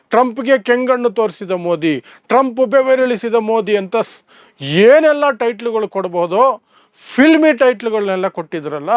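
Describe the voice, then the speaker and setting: A man's voice: high-pitched, dry recording. Emphatic man with a Kannada accent. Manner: sarcastic, emphatic, animated explainer. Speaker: political commentator. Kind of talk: news commentary monologue.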